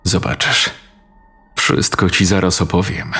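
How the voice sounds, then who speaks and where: A man's voice: low-pitched, unhurried, pushed and bright, husky, soft background music, heavily acted. A man voicing a young man, an old school friend who talks in a conspiratorial, coarse way.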